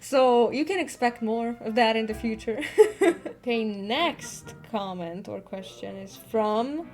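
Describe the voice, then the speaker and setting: Picture a woman with a fairly high voice chatting about her comic, breezy and giggly, laughing between sentences and dropping the odd swear. A bit of soft music sits faintly behind her. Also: takes it slowly. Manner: casual with frequent swearing. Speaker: webcomic artist answering fan comments. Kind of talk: casual Q&A chat.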